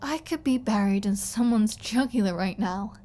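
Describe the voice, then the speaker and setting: A woman's voice: medium pitch, moderate pace, warm tone, lightly acted. A woman voicing a flirty, sarcastic, defiant female vampire in a scripted ASMR audio roleplay. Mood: snarky, playful. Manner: sarcastic, teasing, playful.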